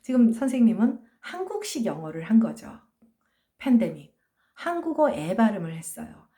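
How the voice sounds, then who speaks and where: A woman teaching a phonology lecture. She explains patiently, asks questions and answers them herself, and says sounds slowly to show them. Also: on the high side, big pitch swings, warm tone. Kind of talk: recorded online lecture.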